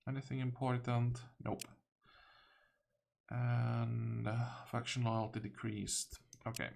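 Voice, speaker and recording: A man narrating his own playthrough of a strategy game, musing over choices and reading the story text aloud. His voice has a gravelly, fry-laced texture at a middle pitch. The delivery is relaxed and conversational. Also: slow. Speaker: video game let's-player. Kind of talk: casual gameplay commentary.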